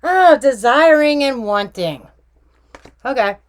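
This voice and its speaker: Woman tarot vlogger, chatty and emphatic, slangy, unhurried delivery, somewhat high voice. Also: expressive. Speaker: tarot reader and true crime channel host. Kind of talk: casual true crime tarot reading vlog.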